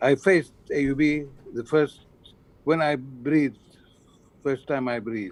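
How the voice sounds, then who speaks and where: A fairly high-pitched male voice with noticeable background noise. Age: 80s+. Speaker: businessman. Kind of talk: interview.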